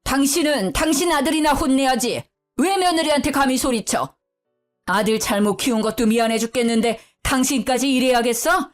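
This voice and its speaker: A woman voicing a stern elderly father-in-law in a storybook narration, booming when he scolds and soft when he pleads. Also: normal speed, faint music behind, close to an everyday voice. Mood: furious.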